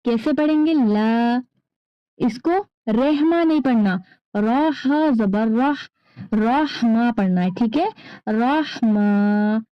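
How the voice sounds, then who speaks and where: A woman teaching young children to recite, drawing out syllables slowly and patiently. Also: on the high side, lively intonation, clean tone, no echo, muffled recording. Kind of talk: slow recitation lesson with repetition.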